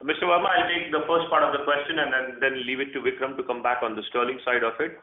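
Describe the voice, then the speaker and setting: A man speaking as a company executive on a conference call, explaining business points in a measured, hesitant way. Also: mid-range voice, steady tone. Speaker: company executive answering analysts. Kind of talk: earnings call answers, spontaneous business talk. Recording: narrow phone line, roomy echo.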